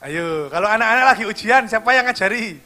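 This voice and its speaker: A middle-aged man, preaching a lively sermon and joking with the congregation. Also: sits high, fast talker. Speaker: pastor. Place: church hall. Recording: church livestream with music behind.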